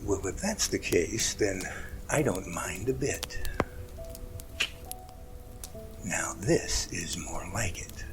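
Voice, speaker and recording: A man's voice: deep voice, expressive, over music, rough recording. A man playing an earnest, folksy, inquisitive professor in an amateur audio drama, with colloquial turns of phrase. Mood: tender, relaxed. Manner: folksy, colloquial, drawn-out remarks.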